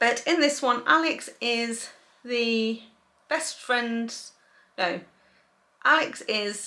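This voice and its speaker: Very slowly and with long, frequent pauses, a woman with a high, bright, sharp voice speaks in a British accent with ordinary pitch variation. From England. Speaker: book reviewer. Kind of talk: casual book review monologue; blooper outtakes. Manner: hesitant, many fillers.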